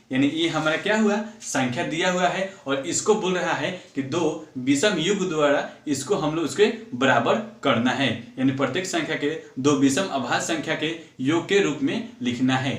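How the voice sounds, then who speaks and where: A man teaching a math lesson, counting sums aloud and asking himself questions before answering them. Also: fairly high pitch. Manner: repeats numbers aloud while working sums, asks and answers own questions. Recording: echoey room, far from mic.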